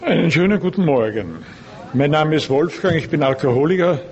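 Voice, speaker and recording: A middle-aged or older man with an Austrian accent gives a personal testimony to a group in measured, careful standard German. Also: a little high, expressive, muffled recording. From Linz, Austria. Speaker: speaker at a recovery meeting. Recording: background noise, room ambience.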